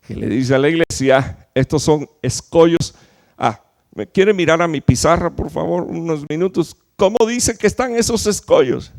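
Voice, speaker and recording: A man preaching in a fairly high voice that leaps upward on the words he stresses, then sinks low and soft. He quizzes the congregation with questions and often restarts a phrase mid-thought, delivering it from a church stage mic. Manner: emphatic preaching, rhetorical questions, swings between loud peaks and low drops; fillers and restarts while explaining. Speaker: pastor. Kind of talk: sermon.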